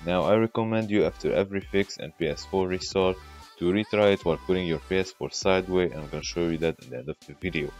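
A man's voice: sits low, fast talker, a little mellow, soft background music. A man hosting a casual tech tutorial, talking the viewer through each step, his voice coming through a glitchy, bitcrushed mic that makes it sound robotic.

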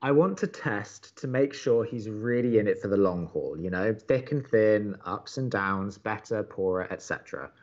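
A man plays a young college radio co-host in an audio drama, wry, blunt and impatient. His voice sits fairly low and he speaks with sardonic emphasis. The sound is slightly dull. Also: lively intonation, moderate pace, hardly any pauses, darkish tone, close to an everyday voice. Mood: wry, upbeat. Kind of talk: naturalistic audio drama dialogue.

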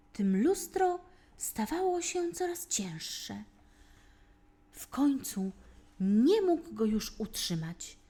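Woman storyteller, high voice, very lively intonation, dramatic deliberate phrasing, scripted children's narration. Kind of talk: scripted narration, expressive bedtime-story reading.

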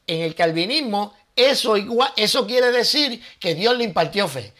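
A man's voice: sits high, lively intonation, normal speed, sharp tone. A man hosting his own channel, giving casual Bible teaching with rhetorical questions and thinking aloud.

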